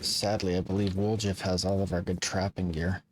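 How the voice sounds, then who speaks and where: A man's voice: low-pitched, level tone, normal speed, background noise. A man hosting a video game play-through, chatting casually and reading the game's text aloud.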